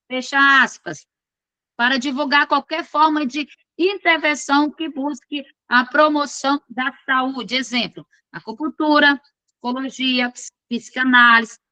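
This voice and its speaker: A woman's voice: sits high, bright, forceful tone, dry recording, highs cut off. A woman teaching an online class. She reads from course notes and keeps checking in with her students in a chatty, informal way.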